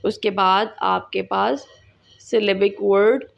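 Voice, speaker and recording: A woman teacher, explaining an English lesson slowly and repeating words for her students. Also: mid-range voice, fairly even intonation, vocal fry. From Pakistan.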